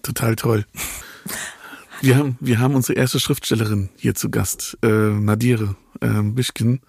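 A man's voice: on the low side, steady tone, unhurried, gravelly, a little mellow, breathy edge, no room sound, studio quality. A man hosting a podcast interview, talking casually and hesitantly with many fillers and restarts. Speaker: podcast host.

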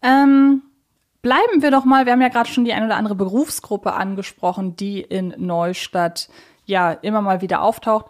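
A woman speaks as a podcast host in an informal discussion. Her voice sits at a middle pitch. She explains things reflectively, qualifying her points as she goes. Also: moderate pace.

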